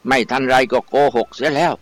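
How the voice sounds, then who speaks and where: A man voicing a strict, disapproving old mother-in-law in a told folktale, speaking slowly and scoldingly. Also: mid-range voice, steady tone, no echo, voice pushed up, lightly acted. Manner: slow, scolding.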